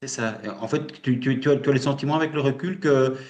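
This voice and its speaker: A man interviewing a guest, asking questions in slow, searching phrasing. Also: mid-range voice, steady tone, a little mellow. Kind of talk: conversational interview.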